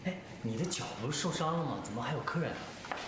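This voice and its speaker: An actor playing a friendly, kind-hearted young male coworker who chats warmly. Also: a little high, lively intonation, fast talker, lightly acted. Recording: roomy room with clear background noise.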